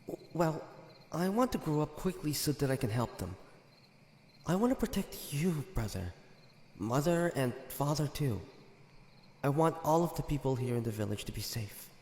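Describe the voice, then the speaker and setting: A man acting in an audio drama as a bewildered, earnest character reliving his boyhood, speaking haltingly and full of questions. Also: on the high side, sing-song, darkish tone, husky.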